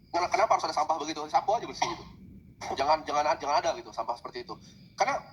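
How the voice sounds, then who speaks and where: A man's voice: fairly high pitch, lively intonation, rapid-fire, a little hiss or hum, low-quality recording. A brash man co-hosting a casual podcast chat, swearing freely and mocking copycats. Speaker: podcast co-host.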